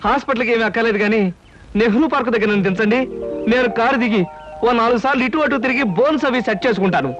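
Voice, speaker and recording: A scheming young trickster who groans theatrically to fake an injury. His voice is very high, over a dull film soundtrack with loud music. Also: racing. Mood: smug. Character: cheeky young male trickster faking injury. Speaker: film actor. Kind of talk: film comedy dialogue.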